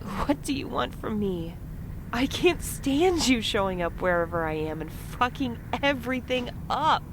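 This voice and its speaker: A woman's voice: fairly high pitch, very animated, a little slow, background noise. An actress playing a guarded, exasperated and sarcastic woman in an audio drama, speaking bluntly. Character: exasperated, guarded, sharp-tongued woman facing her double. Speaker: fiction podcast actor.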